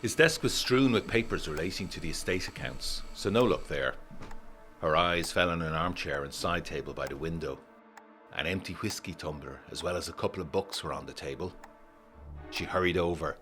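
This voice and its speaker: A man narrating a letter in a measured, formal, old-fashioned manner for a gothic audio drama. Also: extremely low pitch, a bit bright. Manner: measured, formal period storytelling.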